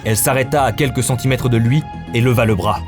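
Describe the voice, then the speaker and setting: A man's voice: medium pitch, fast. Man narrating a dramatic story over music.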